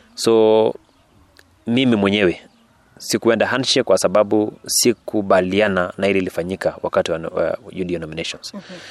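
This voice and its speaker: Recorded dry and close with no echo, a man's speech moves at a moderate pace. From Kenya, Elgeyo Marakwet. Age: 30s. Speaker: lawyer and parliamentary candidate. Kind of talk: interview.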